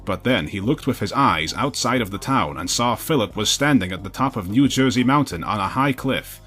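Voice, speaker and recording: Male narrator, low register, earnest delivery of a comic story in broken English, music underneath. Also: animated, normal speed, a bit bright.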